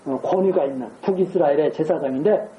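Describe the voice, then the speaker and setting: A woman's voice: deep voice, fast, roomy sound, muffled recording, a crowd in the background. A woman preaching a sermon in a conversational way, asking her listeners rhetorical questions and acting out quoted speech. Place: church sanctuary.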